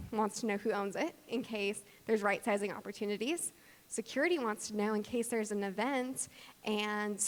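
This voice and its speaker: A woman giving an explanatory conference presentation as a practitioner speaking to an audience. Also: medium pitch. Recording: long hall reverb.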